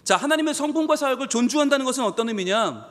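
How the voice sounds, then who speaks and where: A man's voice: animated, racing, fairly bright tone, in a large hall. A man, a pastor, preaching a Sunday sermon with emphatic delivery, acting out a prophet's complaints. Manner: emphatic preaching, voicing Jonah's complaints with rising pitch. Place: church sanctuary.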